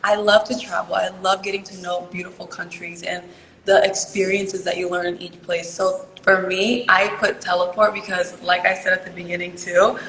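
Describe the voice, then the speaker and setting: A young woman speaks in a lower register than most, chatty and earnest. Her answers lean on "like" and "you know". The recording is reverberant, with a long hall tail. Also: level tone, moderate pace, a bit bright, slight background noise. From born in Peru, raised in California. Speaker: pageant contestant interviewee. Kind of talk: casual interview answers. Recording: echoey room with long reverb.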